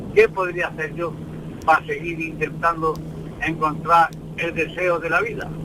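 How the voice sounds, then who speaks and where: The speech comes at a fairly slow pace with long, frequent pauses and monotone, flat intonation over noticeable background noise. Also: man, fairly high pitch for a man. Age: 60s. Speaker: caller. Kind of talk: call-in question.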